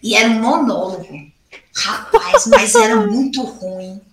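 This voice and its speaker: A woman, a podcast guest, telling funny stories in a lively, laughing way in casual chat. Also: a little high, measured pace, echoey room, heavy background noise. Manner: lively storyteller, laughs a lot.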